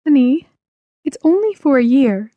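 Woman playing a worried, earnest mother, higher-pitched. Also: expressive, a little slow, no echo, narrow, tinny audio. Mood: pleading, soothing. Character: worried middle-aged mother, gentle but firm. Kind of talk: audiobook character dialogue.

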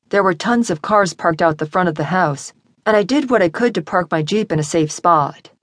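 A woman narrating an audiobook in the first person, reading in a calm, measured way into a close mic. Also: fairly low pitch, no echo.

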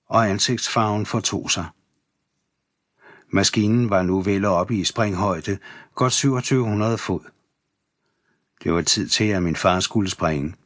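A man reading a first-person memoir aloud as an audiobook narrator, in a measured, steady voice. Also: on the low side, no echo, studio quality. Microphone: close studio mic.

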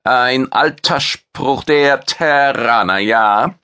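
A bragging horned alien cook, with a man putting him on speaks in a hard, clipped way. His voice sits well above the narrator's and comes out loud and proud. It is an audiobook figure who savours his own words. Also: medium pitch, drawn-out words, voice pushed up. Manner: boastful, blustering.

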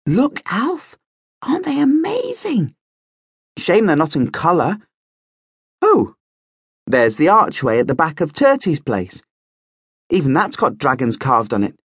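A man doing an excitable teenage prince. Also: medium pitch, a little slow, slightly rough, dry recording, pitched above the performer's own voice. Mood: delighted. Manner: eager, breathless chatter.

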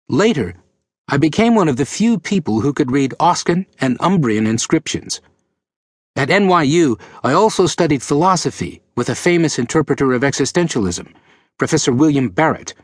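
A man reading a memoir aloud as an audiobook narrator, telling the story in a measured, expressive way on a close studio mic. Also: on the high side, no echo.

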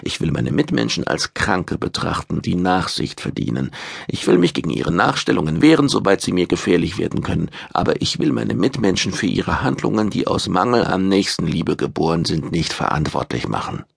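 A man playing a tall, gaunt man who holds back his anger and speaks in a flat, clipped growl. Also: deep voice, a little fast, gravelly, husky, no echo, clean studio sound, heavily acted. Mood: halting recital.

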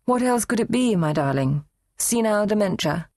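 A woman voicing a proud, sharp-tongued elderly mother who needles her grown daughter in an arch, dry way. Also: mid-range voice, lively intonation, moderate pace, dry recording, pitched above the performer's own voice, close to an everyday voice. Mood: wry. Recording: dry, close studio read.

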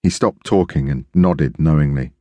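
A man narrating an audiobook in the first person, steady and measured. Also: rumbling low, dry recording.

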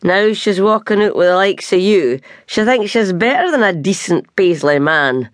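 A woman's voice: mid-range voice, animated, moderate pace, no room sound, studio quality, natural voice. A woman voicing a belligerent drunk Scottish working man, an ex-soldier, with a slurring, sneering manner. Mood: taunting.

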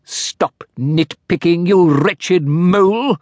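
A harsh, bullying official with a sneering, commanding tone, as a man acts him out in a slow, drawn-out delivery. The sound is dry and close. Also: a little high, lively intonation, no echo, voice pushed up. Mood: scornful. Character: harsh stern male chief councillor, cold bully.

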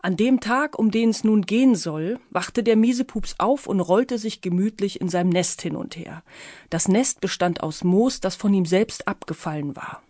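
A woman's voice: mid-range voice, moderate pace, darkish tone, no echo, clean studio sound. A woman narrating her own children's audiobook in a playful storytelling manner. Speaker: author and narrator.

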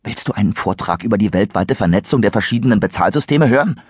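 A jittery teenage boy on the run, insisting and fretting in a raised, slightly husky voice, put on by a male audiobook reader. The recording is dry and close. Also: lowish voice, expressive, quick pace, no echo, voice pushed up. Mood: anxious. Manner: anxious, insistent.

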